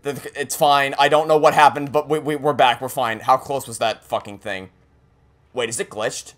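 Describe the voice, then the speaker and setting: A man's voice: mid-range voice, steady tone, moderate pace, fairly bright tone. A man giving casual gaming commentary in an exasperated, sweary way, repeating words anxiously. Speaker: video game streamer.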